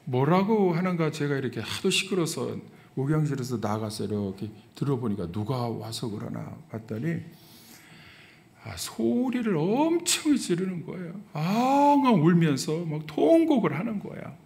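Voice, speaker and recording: A middle-aged man, a pastor, preaching a sermon and telling a story, his voice swinging from soft to loud. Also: fairly high pitch, expressive, normal speed, vocal fry, hardly any pauses.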